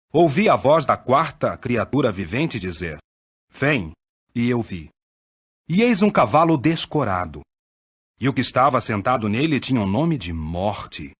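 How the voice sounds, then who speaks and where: A man giving a solemn, declamatory scripture reading, measured, with dramatic swells. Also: medium pitch, fairly bright tone, slightly rough. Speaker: scripture reader.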